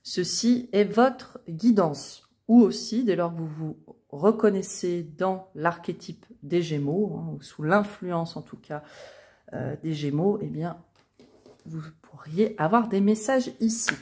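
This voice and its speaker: Slightly slow and on the low side, this tarot reader's voice carries a casual reading for her channel audience. She chats along with many little fillers like "euh" and "hein" and drops soft asides.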